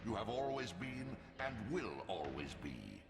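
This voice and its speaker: Ancient domineering game deity, deep voice, cavernous reverb, grandiose, menacing. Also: male voice, very animated, vocal fry, full character voice. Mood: threatening. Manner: grandiose, menacing, slow pronouncements. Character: ancient malevolent god, self-proclaimed devourer of death, domineering. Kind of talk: scripted video game drama. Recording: echoing long reverb, loud game music.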